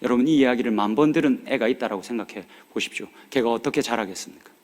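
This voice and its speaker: A man's voice: mid-range voice, quick pace, a little mellow. A man in his forties, a pastor preaching a sermon, urging and pleading with his congregation in a regional dialect. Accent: Korean regional dialect. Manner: earnest, pleading exhortation with rising urgency. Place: church sanctuary. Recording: long hall reverb of a church.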